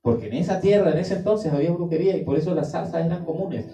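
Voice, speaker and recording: A man's voice: fairly high pitch, quick pace, dark tone. A man preaching a sermon in an emphatic way, acting out the prayers he quotes. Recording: roomy echo, distant mic, faint music.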